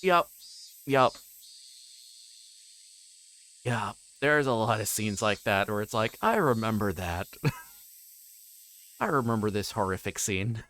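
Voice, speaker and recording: A man hosting a livestream, chatting casually in a halting, rambling way and often repeating words as he plays a game. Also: on the low side, expressive, fairly bright tone. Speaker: livestream host. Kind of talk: casual livestream chat while playing a visual novel.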